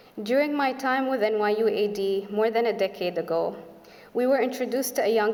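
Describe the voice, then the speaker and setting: A woman's fairly high voice moves at a fairly quick pace while noticeable background noise carries on. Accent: Arabic. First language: Arabic. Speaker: alumni speaker, government official. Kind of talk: formal speech. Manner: formal.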